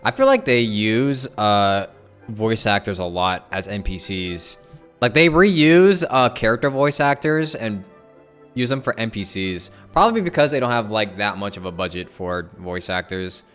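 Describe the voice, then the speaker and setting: A man with a fairly low voice gives casual gameplay commentary on a livestream. He chats to viewers close to the mic, with faint music in the background. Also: expressive, measured pace, a bit bright, smooth. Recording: game music behind the voice.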